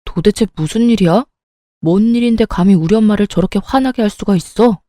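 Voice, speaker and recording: A woman's voice: mid-range voice, a little fast, dark tone, no room sound, studio quality, lightly acted. A woman voicing an arrogant, entitled young husband who talks down in a blustering way. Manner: condescending, blustering.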